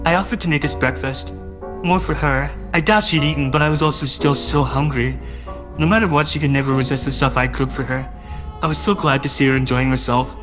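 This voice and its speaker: A man's voice: mid-range voice, fairly even intonation, brisk, music in the background. A man narrating a first-person audio drama in a wistful, doting way that grows uneasy.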